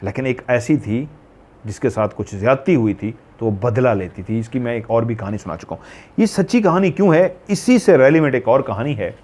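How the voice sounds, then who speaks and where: A man's voice: mid-range voice, animated, brisk, darkish tone. A man telling a horror story in a casual, rambling way, full of asides and self-corrections.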